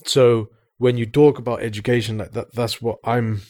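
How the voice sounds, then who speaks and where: A man's voice: medium pitch, steady tone, moderate pace, darkish tone. A man in a casual discussion, explaining his ideas with enthusiasm.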